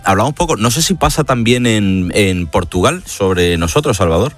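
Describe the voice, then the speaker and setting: A man hosting an interview, relaxed and asking questions conversationally. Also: fairly low pitch, moderate pace.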